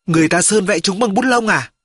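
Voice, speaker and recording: A man reading an audiobook, voicing a gentle, humble older baker who asks curious questions. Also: high-pitched, fairly quick, husky, dry recording, clean studio sound. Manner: gentle, wondering.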